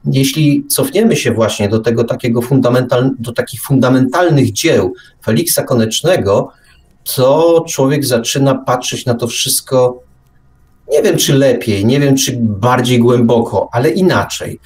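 A man's voice: mid-range voice, measured pace, a little mellow, recorded from a distance, a little hiss or hum. Discursive male radio host, slightly off-mic. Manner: discursive, repeats and rephrases himself, rhetorical questions. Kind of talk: casual live talk, reflective monologue.

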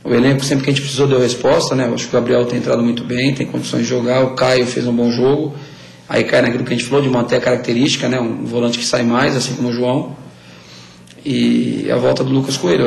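Forties coach guy, rapid flat talk, roomy press conference mic. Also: mid-range voice, gravelly. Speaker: football coach. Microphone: table mic at press conference. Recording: echoey press room.

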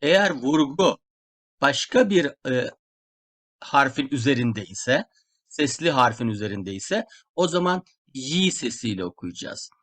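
Guy teaching a language class, super slow and careful, repeats every word. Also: medium pitch, lively intonation, a bit bright. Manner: repeats words slowly and clearly for learners. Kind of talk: slow, deliberate language lesson.

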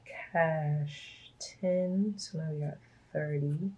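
A woman from Brooklyn, hoarse from a cold, chatting casually and laughing often as she talks through her budget. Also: deep voice, steady tone, extremely slow, heavy background noise. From Brooklyn, New York. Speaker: budgeting vlogger. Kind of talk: casual chat while stuffing cash envelopes.

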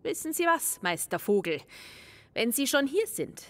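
A woman's voice: high-pitched, big pitch swings, normal speed, fairly bright tone, long reverb tail. An actress playing a fussy, indignant landlady in an audio drama, haughty and scolding. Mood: sarcastic, bossy.

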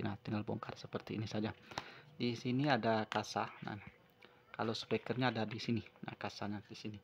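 Male tutorial presenter, lowish voice, repetitive hands-on explaining, muffled recording. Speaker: phone repair tutorial presenter. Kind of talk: unscripted hands-on tutorial narration. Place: at a wooden table indoors.

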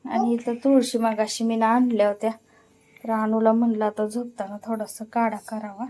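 Chatty higher-voiced woman vlogging at home. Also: level tone, moderate pace, dark tone, slight background noise. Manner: chatty, explaining chores as she goes, with many little fillers. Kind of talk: casual vlog narration. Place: at home, in her kitchen and yard.

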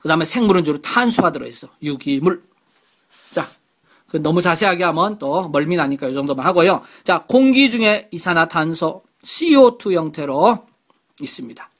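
Chatty, high-voiced male science teacher. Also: animated, normal speed, a bit bright. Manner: chatty, asks rhetorical questions, repeats key words. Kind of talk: online lecture to middle schoolers.

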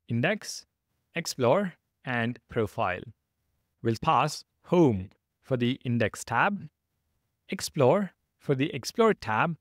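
Lively male coding tutorial instructor. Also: medium pitch, no room sound, studio quality. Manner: clear, methodical, instructional. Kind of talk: step-by-step screencast tutorial narration.

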